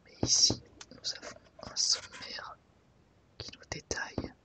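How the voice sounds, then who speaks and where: A woman presenting an ASMR video in a soft, breathy whisper, with gentle, unhurried and careful phrasing. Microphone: microphone set slightly off to the side.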